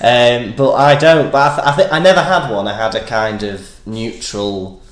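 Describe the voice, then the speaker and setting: A man's voice: medium pitch, normal speed. A man from North Wales with a northern English accent from Manchester, chatting casually and jokily as a podcast co-host. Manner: rambling, self-deprecating, jokey. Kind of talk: casual comedic chat. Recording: echoey room.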